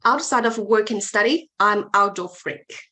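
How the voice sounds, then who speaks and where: Measured woman from China. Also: mid-range voice, bright, forceful tone. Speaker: webinar speaker, business analyst. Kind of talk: prepared presentation.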